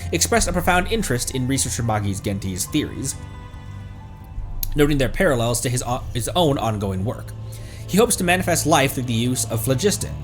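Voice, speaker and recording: A man streaming a video game, reading its text aloud with asides and stumbling over long words. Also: medium pitch.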